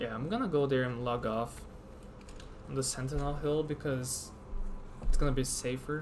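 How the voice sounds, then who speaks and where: A man talks at a moderate pace and a medium pitch, with fairly even intonation. He takes long, frequent pauses. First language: not English. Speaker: gaming streamer. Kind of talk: live gameplay commentary. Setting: home streaming setup with mic. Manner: casual, rambling with frequent profanity.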